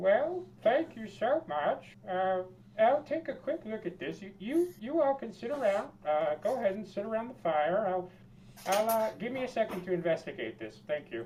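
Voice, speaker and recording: A fairly high-pitched put-on character voice speaks at a moderate pace with clear background noise. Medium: actual play. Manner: flustered, repeats himself.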